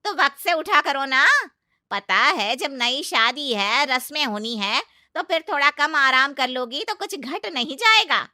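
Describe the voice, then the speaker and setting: A woman voicing a loud, sharp-tongued middle-aged aunt-in-law who taunts and scolds. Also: sits high, lively intonation, unhurried, dry recording, studio quality, voice pushed up, exaggerated voice. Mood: scolding.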